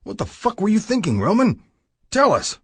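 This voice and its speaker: A man voicing a hot-tempered biker second-in-command who yells hard, his husky voice jumping way up in pitch and volume. the sound is dry and close, straight from an audiobook booth. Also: wildly swooping pitch, moderate pace, no room sound, heavily acted. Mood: enraged. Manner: shouting, furious. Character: male biker club vice president, hot-tempered.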